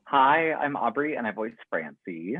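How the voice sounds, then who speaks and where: A man's voice: mid-range voice, big pitch swings, unhurried, slightly rough. A man chatting casually over a video call with dull, dry audio. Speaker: podcast voice actor. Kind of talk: casual chat.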